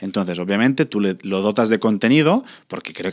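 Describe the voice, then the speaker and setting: A man with a fairly low pitch talks at a very fast pace and with lively intonation. It is a very clean recording with a silent background. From Spain, Barcelona. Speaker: marketing manager and networking event co-founder. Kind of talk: interview. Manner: animated.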